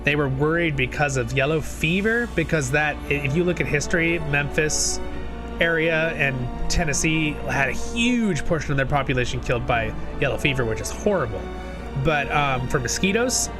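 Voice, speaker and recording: A sniffly young man in his twenties talks in a rambling, chatty way to his live-stream viewers. His voice sits a touch higher than most men's. Music plays clearly underneath him. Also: animated, moderate pace. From Southern California. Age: 20s. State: sniffly from a cold. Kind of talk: casual live-stream chat. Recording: music playing behind.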